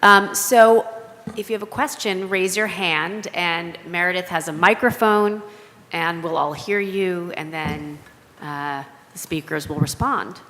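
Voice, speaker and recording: Low-voiced woman moderating a panel. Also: a little slow, fairly bright tone. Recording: long hall reverb.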